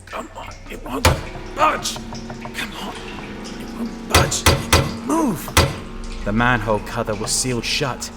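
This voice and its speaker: A man's voice: medium pitch, huge pitch swings, takes it slowly, long pauses, over loud music, heavily acted. A man playing a wary lone inspector who narrates and acts out his ordeal in an audio drama, tense and dramatic. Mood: panicked. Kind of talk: first-person audio drama narration and acting.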